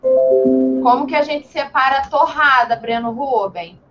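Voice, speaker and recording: A woman's voice: sits high, fairly even intonation, vocal fry, faint music behind. A woman teaching an online class to young children, patient and encouraging, with lo-fi video call audio. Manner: patient, slow and encouraging, calls herself "tia". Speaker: primary school teacher.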